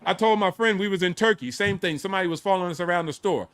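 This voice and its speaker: Male host, bright high voice, animated and boastful casual storyteller. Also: very fast, a little hiss or hum.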